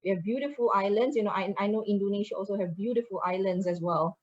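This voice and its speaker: A woman's voice: medium pitch, fast talker, a little mellow, dull audio. A Malaysian woman with a Malaysian accent, giving a chatty promotional presentation to prospective students and slipping into Malay phrases.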